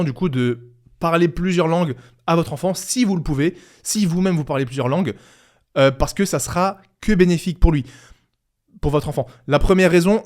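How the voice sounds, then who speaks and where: A man's voice: a little high, darkish tone. A young man hosting a solo podcast, giving advice in a chatty, conversational way, with fillers and restarts. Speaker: podcast host.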